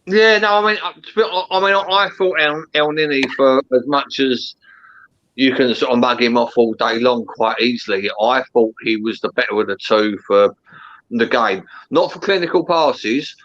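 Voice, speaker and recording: A man's voice: mid-range voice, moderate pace, fairly bright tone, lo-fi sound. An English man hosting a casual football fan discussion, talking in a blunt, sweary way. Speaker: host of a football fan reaction show. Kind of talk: casual post-match discussion.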